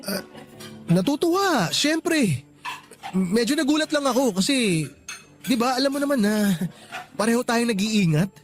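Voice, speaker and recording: A man with a Filipino accent acting as an affectionate, easygoing boyfriend in a radio romance drama, speaking in a conversational, expressive way. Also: extremely high pitch, measured pace, pauses often, faint music behind. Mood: stunned, hesitant.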